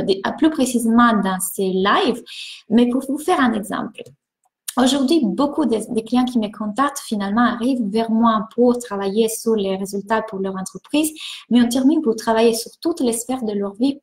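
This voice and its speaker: An enthusiastic woman with an Italian accent coaches and greets viewers on a live stream. Her voice sits fairly high, and the room around her echoes. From Italy. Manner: enthusiastic, warm greetings, repeats words.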